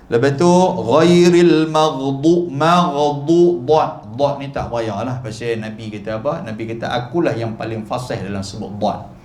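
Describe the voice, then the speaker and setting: A man's voice: fairly low pitch, normal speed, darkish tone, echoey room. A male religious teacher giving a chatty mosque lecture, modelling Arabic letter sounds. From Malaysia. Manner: chatty, demonstrative, repeatedly modelling Arabic pronunciation.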